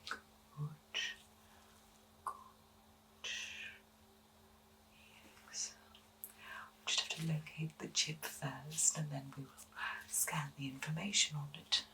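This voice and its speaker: A woman playing a gentle, eccentric doctor in a whispered ASMR medical roleplay, soothing, measured and formally polite. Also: deep voice, little pitch movement, far from the mic, exaggerated voice, poor audio. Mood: gentle, businesslike. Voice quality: breathy whisper. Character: gentle, eccentric female doctor at strange monster clinic.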